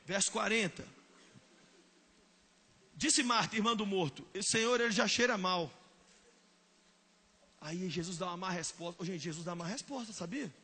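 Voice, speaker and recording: A male pastor delivers a comedic sermon, animated and prone to sudden shouts. His voice is very high, very bright and swings widely in pitch. A faint noise sits behind him. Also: normal speed, long pauses, breathy edge. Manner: animated, joking, bursts of shouting.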